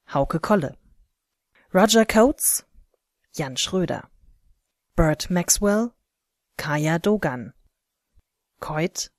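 Female announcer, lowish voice, slow measured delivery, formal credits reading, dry close sound. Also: dry recording.

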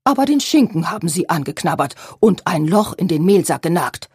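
A woman's voice: lowish voice, sing-song, brisk, darkish tone, breathy edge, no room sound, clean studio sound, heavily acted. A woman reading a scolding old grandmother. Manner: agitated, scolding. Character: scolding old grandmother, loud and sharp-tongued.

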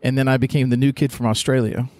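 A middle-aged man who grew up in England. He tells stories in a relaxed, chatty way as a podcast guest. The sound is dry and close. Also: mid-range voice, fast talker, no room sound. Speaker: guest, real estate agent. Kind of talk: podcast interview.

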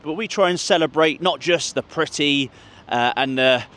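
A man's voice: a little high, normal speed, a bit bright. A man, walking city streets and chatting to viewers in a football travel vlog, holding a mic. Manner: chatty, addresses viewers as guys. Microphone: handheld mic, camera at arm's length.

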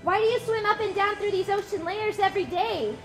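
Woman doing a young whale, eager, excitable, very high voice, live puppet show. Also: brisk, music in the background. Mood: curious. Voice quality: bright, excitable. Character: lost young whale diving for squid, eager. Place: stage in a hall.

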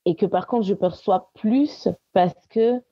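A woman's voice: medium pitch, slow pace, dark tone, husky, dry recording. A woman from Italy, speaking French as a podcast guest and sharing personal testimony in conversation. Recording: dry, dull lo-fi sound.

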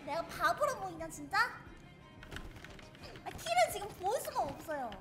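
A woman streamer giving live gameplay commentary, excitably and playfully shouting threats at the game, with game music behind her. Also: very high-pitched, moderate pace. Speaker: VTuber streamer.

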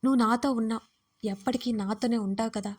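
A woman voicing a devoted young man in an audio story, speaking softly and soothingly. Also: on the high side, steady tone, brisk, close to an everyday voice. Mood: tender. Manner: soft, soothing, tender pleading.

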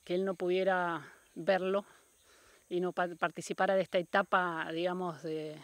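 A woman's voice: lowish voice, flat delivery, moderate pace, slight background noise. A woman with an Argentine accent explaining conservation work in an unscripted documentary interview. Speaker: conservation project worker being interviewed.

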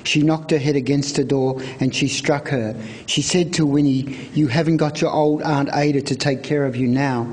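A man reading a prepared script of historical letters aloud at a live event in a measured way. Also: fairly high pitch, steady tone, a little mellow, poor audio.

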